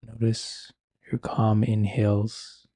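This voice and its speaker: A man with a fairly low, very mellow and husky voice guides a meditation. He speaks calmly and soothingly, with unhurried instructions and long pauses between them. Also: no room sound.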